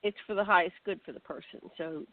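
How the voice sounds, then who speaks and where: A woman's voice: on the low side, fast talker. A woman from the northern United States hosting an online talk show, chatty and encouraging as she asks a guest questions. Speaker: host. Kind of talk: casual interview hosting. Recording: distant, phone-like call audio.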